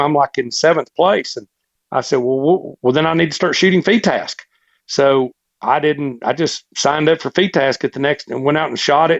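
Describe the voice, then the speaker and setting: A man with an East Tennessee accent speaks at a fairly quick pace. His pitch is fairly high, with ordinary variation. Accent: US Southern (East Tennessee). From Tennessee, Knoxville. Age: 50s. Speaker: amateur clay target shooter. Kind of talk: podcast interview.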